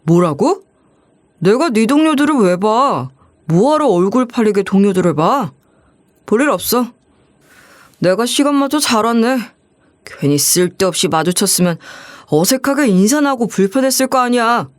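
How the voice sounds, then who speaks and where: A woman's voice: fairly high pitch, lively intonation, moderate pace, no echo, close to an everyday voice. A woman voicing a curt, snapping young man. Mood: irritated. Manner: blunt, dismissive, snapping. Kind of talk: dramatized story narration.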